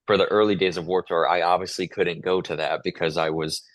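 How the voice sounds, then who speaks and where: A man's voice: deep voice, fairly even intonation, brisk, no room sound. A man in his twenties chatting casually as an interview guest, in informal, slangy speech. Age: 20s. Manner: informal, slangy, peppers talk with "dude" and "like". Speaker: podcast guest, musician.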